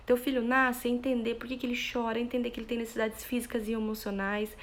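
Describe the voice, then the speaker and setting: A woman's voice: fairly high pitch, flat delivery, fast. Woman explaining with everyday examples. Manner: explains with everyday examples, checks in with listeners often. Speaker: parenting educator. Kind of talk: live social media talk to parents. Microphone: phone.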